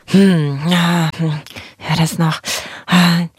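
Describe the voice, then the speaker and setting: A woman hosting a radio talk show for kids, chatting in a lively, casual way and laughing easily. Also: on the low side, slow pace, a little hiss or hum. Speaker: radio show host and band member.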